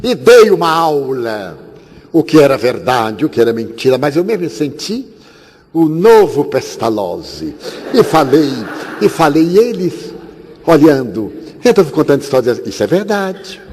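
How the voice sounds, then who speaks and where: A man's voice: fairly high pitch, sing-song, moderate pace, a little mellow. A man from Bahia, giving a storytelling talk to an audience and acting out every character. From Bahia, Brazil. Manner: theatrical, acts out every character. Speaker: spiritist speaker. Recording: echoey hall, faint hiss.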